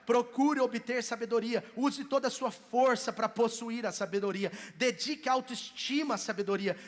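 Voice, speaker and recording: A man's voice: extremely high pitch, a bit bright. A man with a Brazilian Portuguese accent, from Minas Gerais, preaching a sermon as pastor in a church, telling stories in a conversational way. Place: church sanctuary. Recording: long reverb of a church hall.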